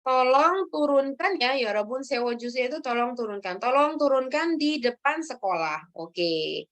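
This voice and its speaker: High-voiced woman teaching a language. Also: expressive, normal speed. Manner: tags sentences with "ya" and calls on students. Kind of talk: online language lesson.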